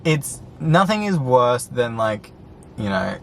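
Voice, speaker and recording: A man's voice: medium pitch, sing-song, slow pace, vocal fry, fairly bright tone, slight background noise. A young man chatting casually with a friend, candid and rambling, swearing freely. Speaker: guest best friend. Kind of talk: casual chat.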